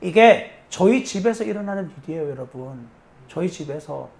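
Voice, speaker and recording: Korean pastor guy preaching, really high voice, swings up and down a lot, asks the crowd stuff. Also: moderate pace, vocal fry. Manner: lively storytelling, acting out children's and his own quoted lines; asks the congregation direct questions. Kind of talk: sermon. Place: church.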